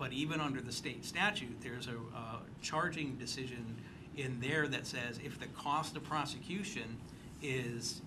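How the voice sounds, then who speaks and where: Through noticeable background noise and audible room echo, a man speaks at a fairly slow pace at medium pitch, with ordinary pitch variation. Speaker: city attorney. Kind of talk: council meeting discussion.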